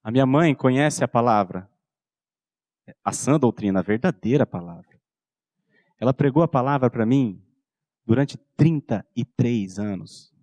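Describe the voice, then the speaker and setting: A pastor in his thirties with a Brazilian Portuguese accent preaches a sermon, telling a personal story and acting out soft-spoken dialogue with his son. His voice is medium in pitch, recorded with no echo.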